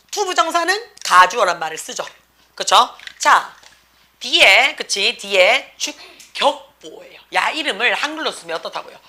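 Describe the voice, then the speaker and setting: Woman, 40s, Gyeongsang Korean accent, English academy teacher; higher, bright and very animated delivery, chatty and teasing, keeps checking in with the class. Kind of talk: classroom lecture.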